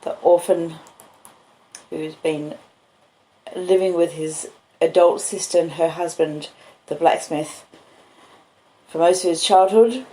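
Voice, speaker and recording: A woman with an Australian accent, a podcaster and audiobook reader, mixes relaxed live chat with literary storybook reading in an unhurried, cosy storytelling style. Her voice is fairly low and mellow. She records on basic home gear, laptop and phone microphones, giving roomy echo and basic audio.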